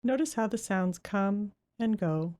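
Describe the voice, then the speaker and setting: In a mid-range voice, a woman guides a Christian meditation. Her instructions are gentle and unhurried, with long pauses between phrases.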